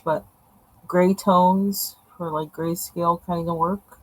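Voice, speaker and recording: A woman's voice: lowish voice, steady tone, slow pace, low-quality recording. A woman with a voice that is going, chatting casually and rambling with many fillers while unboxing pens at her desk. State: losing her voice. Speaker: vlogger unboxing art supplies. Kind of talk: casual chat. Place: indoors at a home desk. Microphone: camera over the desk, hands seen.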